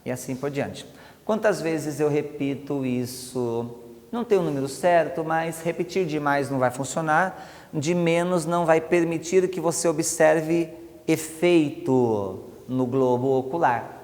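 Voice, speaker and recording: A man with a Brazilian Portuguese accent teaching a hypnosis technique step by step and acting out slow, soothing commands. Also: a little high, darkish tone. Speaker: hypnosis instructor. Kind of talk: teaching a technique with spoken demonstrations. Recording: long hall reverb.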